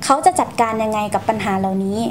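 A young woman from Thailand talks fast in a medium-pitched voice, describing her experiences. As a guest storyteller, she answers the interview questions courteously and in detail. There's a slight hiss or hum.

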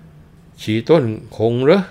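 A man's voice: takes it slowly, dull audio, lightly acted. A man voicing an elderly senior monk, easygoing and speaking in a monk's manner of address. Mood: kindly. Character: elderly male senior monk, fond and chatty.

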